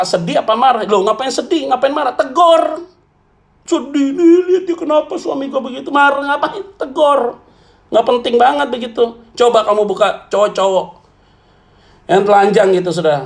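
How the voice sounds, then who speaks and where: High-voiced blunt joking pastor, a man. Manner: blunt, joking, colloquial, calls listeners "saudara". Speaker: pastor answering questions. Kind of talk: church Q&A talk.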